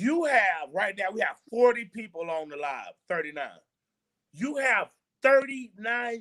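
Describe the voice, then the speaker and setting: Energetic in tone, a man speaks with an extremely high pitch. His pitch swings very widely. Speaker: YouTube live-stream host. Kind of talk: casual chat on live stream. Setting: live stream.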